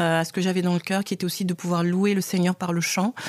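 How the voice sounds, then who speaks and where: Medium pitch defines this voice. It belongs to a woman. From Cameroon. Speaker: church leader and HR director. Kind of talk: testimony. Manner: hesitant.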